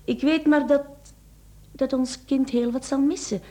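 Wistful coaxing mistress, radio drama, really slow and soft-toned, sugary. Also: female voice, sits high, fairly even intonation. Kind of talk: Dutch-language radio play acting.

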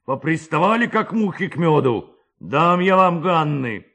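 A man's voice: a little high, very animated, measured pace, sharp tone, voice pushed up, heavily acted. A man voicing an angry older village headman who scolds and curses in a dramatised reading of a classic tale. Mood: indignant, scolding. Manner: blustering, scolding.

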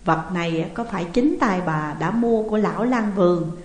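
A woman's voice: medium pitch, brisk, darkish tone, lightly acted. A woman voicing a stern male exorcist who questions and accuses like a judge. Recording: echoey room with long reverb.

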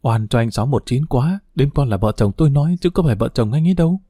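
A man reading the lines of a frightened, guilt-ridden male prisoner in an audiobook, speaking in a hushed plea. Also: medium pitch, animated, fast, husky, no room sound, clean studio sound. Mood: hushed pleading.

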